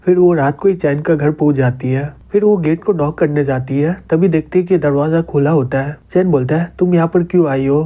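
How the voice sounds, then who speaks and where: Male narrator, Hindi accent, upper-middle pitch, mellow tone, plain storytelling recap. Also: brisk, few pauses. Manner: plain retelling, quotes read without doing voices. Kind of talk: storytelling recap, reading character lines in his own voice.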